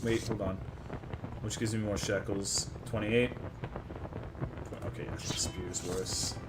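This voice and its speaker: Heavy background noise surrounds this Texan gamer, whose fairly low voice stays steady and slow. He's brash and profane, joking crudely with viewers in easygoing live-stream chatter.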